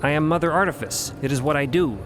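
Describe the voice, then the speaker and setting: A man playing a serene, courtly otherworldly guardian in an audio drama, speaking with formal, measured, benevolent solemnity. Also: on the high side, background noise, close to an everyday voice. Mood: reverent, kind. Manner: formal, measured, ornate phrasing. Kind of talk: audio drama character acting.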